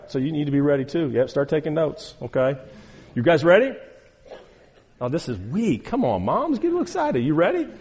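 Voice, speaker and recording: A man's voice: fairly high pitch, a little mellow, slightly rough, big-room sound. A man preaching a sermon, emphatic and exhorting, repeating phrases and speaking straight to his listeners. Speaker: pastor.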